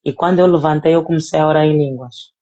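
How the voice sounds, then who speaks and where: A woman's voice: low voice, steady tone, fast, warm tone, dull audio. Earnest woman giving a faith testimony. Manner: earnest, emotional, speaks directly to the apostle; repeats phrases for emphasis.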